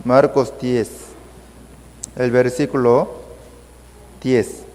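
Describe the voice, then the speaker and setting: A man's voice: medium pitch, little pitch movement, drawn-out words, a little mellow. A man teaching a Bible study lesson, repeating points and checking his listeners with questions. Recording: long hall reverb.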